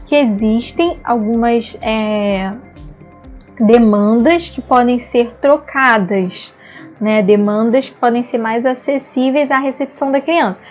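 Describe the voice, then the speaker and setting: On the high side and a little mellow, this Brazilian woman talks slowly while giving an online ABA therapy lesson. She explains with patience in Brazilian Portuguese, frequently adding "né?" and acting out examples of praise and "no." Soft background music accompanies the lo-fi sound.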